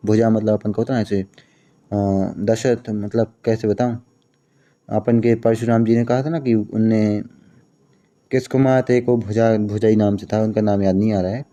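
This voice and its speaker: A man's voice: medium pitch, warm tone. A young man teaching an exam-prep lesson in a chatty way, repeating key terms and slipping in English phrases. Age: young adult.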